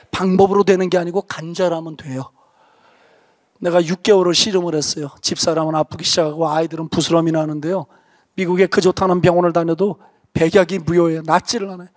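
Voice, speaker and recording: Male pastor, high register, dry close sound; earnest testimony-driven revival preaching, sudden hushed emphasis. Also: dry recording. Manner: earnest, emphatic storytelling, drops to a hush for stress. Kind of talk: revival sermon with personal testimony. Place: church revival meeting.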